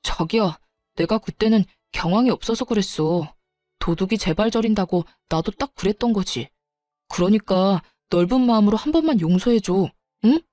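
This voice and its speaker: A woman's voice: medium pitch, dark tone, no echo, soft background music, lightly acted. A woman voicing a defensive, irritated young man who answers back sulkily and blames his partner. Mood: pleading. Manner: sulky, blaming, slows down when annoyed.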